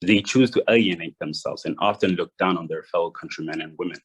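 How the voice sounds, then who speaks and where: A young man from Rwanda giving a prepared address, measured and read from notes with small restarts. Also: low-pitched, breathy edge, rough recording. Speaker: guest speaker.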